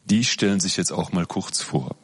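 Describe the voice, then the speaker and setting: A man giving a public lecture in a measured, explanatory way. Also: deep voice, slightly rough.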